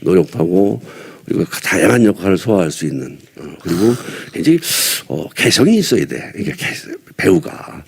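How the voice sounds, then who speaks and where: An older man from Seoul speaks in a low, husky voice that rises and falls a lot. He rambles in a relaxed, self-deprecating way and chuckles between his thoughts. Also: moderate pace, few pauses. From Seoul, South Korea. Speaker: veteran actor at a film press event. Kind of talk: casual press-conference chat.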